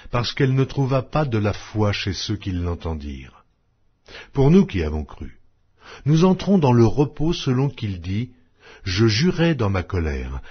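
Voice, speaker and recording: A man narrating scripture as an audiobook in a solemn, measured, declamatory manner. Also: lowish voice, husky, muffled recording. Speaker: Bible narrator.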